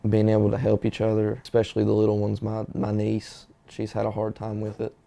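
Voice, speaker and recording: A young man from Kentucky in an interview, speaking in a halting, soft-spoken, grieving way. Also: on the low side, completely flat delivery, vocal fry. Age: young adult. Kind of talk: emotional interview.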